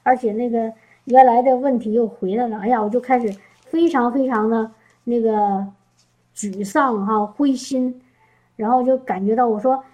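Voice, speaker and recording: A woman's voice: fairly high pitch, steady tone, moderate pace, dark tone, poor audio. A woman giving an emotional spoken testimony to a congregation, often repeating herself and asking listeners questions. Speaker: church speaker. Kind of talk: testimony sermon.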